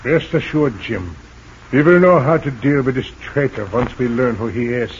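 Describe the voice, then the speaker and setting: A man's voice: mid-range voice, expressive, moderate pace, lightly acted. A man playing a formal young resistance leader. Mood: earnest. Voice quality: formal, courteous. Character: polite Dutch underground leader, young man. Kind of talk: 1940s radio acting. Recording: dull old radio recording, faint hiss.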